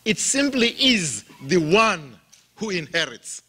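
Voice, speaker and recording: A man from Zimbabwe preaching a sermon in a slow, emphatic style, his voice rising and dropping for effect. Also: sits high, sing-song, bright, forceful tone, husky.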